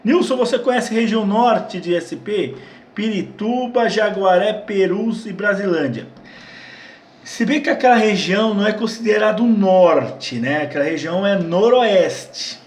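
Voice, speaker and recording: A man's voice: sits high, unhurried. A man from Brazil hosting his channel and answering viewer questions in a casual, rambling way, with many restarts and repeated words. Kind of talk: casual Q&A chat. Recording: echoey room.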